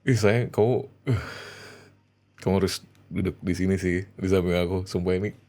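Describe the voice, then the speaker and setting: Slow, low-voiced man playing affectionate husband. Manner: affectionate, hesitant, giggly, expressive acting. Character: affectionate, excitable young husband talking to his wife. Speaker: ASMR roleplay creator. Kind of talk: ASMR roleplay as an affectionate husband.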